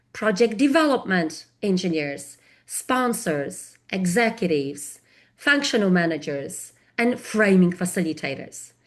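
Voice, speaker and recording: A middle-aged woman from Poland with a Polish accent, hosting a live webinar and talking directly to the viewers typing in the chat. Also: on the high side. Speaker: webinar host and project consultant.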